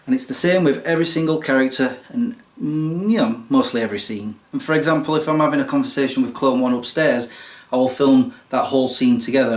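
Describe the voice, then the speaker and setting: A young man casually explaining, step by step, how he films and edits his videos, with a self-deprecating manner. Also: mid-range voice. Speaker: YouTube creator. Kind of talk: casual behind-the-scenes explanation. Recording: roomy echo.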